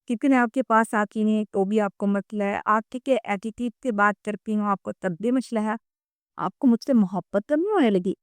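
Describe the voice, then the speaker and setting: A woman reading the part of a proud young wife who speaks in a flat, composed way. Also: medium pitch, smooth, no echo, close to an everyday voice. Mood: defiant.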